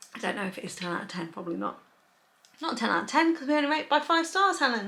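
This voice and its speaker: A woman speaks at a very fast pace in a raised, projected voice. Her pitch is high, with very wide pitch swings. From England. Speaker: book reviewer. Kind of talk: casual book review monologue; blooper outtakes. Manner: hesitant, many fillers.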